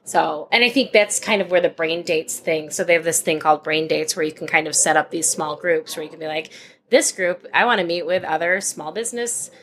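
A woman's voice: deep voice, steady tone, fairly quick, few pauses, a bit bright, a little hiss or hum. A woman co-hosting a podcast, chatting casually and acting out quoted asides, recorded at a busy conference. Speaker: podcast co-host. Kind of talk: casual chat.

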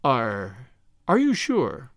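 A man voicing a small country priest in an audiobook, timidly polite, simple and vague yet quietly shrewd. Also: on the high side, very animated, normal speed, dry recording, highs cut off.

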